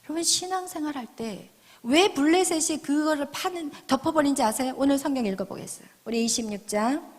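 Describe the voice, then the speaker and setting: A woman pastor giving a dramatic sermon, acting out little scenes and swinging between shouts and soft whispers. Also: sits high, a little fast. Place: church sanctuary. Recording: church hall reverb.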